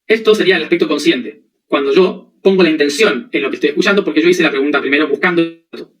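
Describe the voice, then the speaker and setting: A man with a somewhat high voice gives a spiritual lecture. He works through plain everyday examples and keeps asking whether his listeners follow. He sits back from the microphone, so the voice sounds distant. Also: quick pace. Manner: explains with everyday examples and frequent checking questions. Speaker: spiritual teacher.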